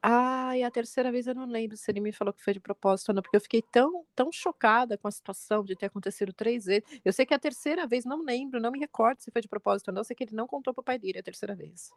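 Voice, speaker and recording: A woman in her forties, a mother co-hosting a podcast, telling a family story in lively chat and jumping up in pitch when she quotes people. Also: racing, hardly any pauses, no echo. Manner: animated retelling, quotes her son with pitch jumps.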